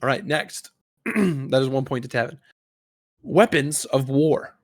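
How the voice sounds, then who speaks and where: A man's voice: mid-range voice, animated, slow, no room sound, clean studio sound. A man hosting a casual gaming podcast, explaining a quiz in an informal, conversational way. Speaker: podcast host.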